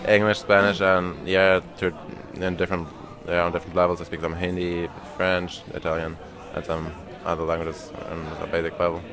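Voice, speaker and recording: A man's voice: low voice, normal speed, few pauses, a crowd in the background. A young man in his twenties with a German accent, a student talking casually outdoors. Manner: relaxed, casual with "like" and "yeah".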